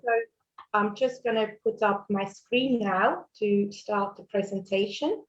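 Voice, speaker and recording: A woman's voice: mid-range voice, unhurried, lo-fi sound. A Swiss woman whose first language is German, presenting a mortgage webinar in a friendly way with fillers and small laughs. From Switzerland. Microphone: video call.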